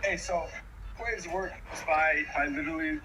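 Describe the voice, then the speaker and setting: A man's voice: fairly high pitch, moderate pace, background noise. An eager male caller on an online voice chat, his voice chopping and cutting in and out. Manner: eager, excited fan. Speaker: caller on a live stream voice chat. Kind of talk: casual chat. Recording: muffled, choppy voice-chat line.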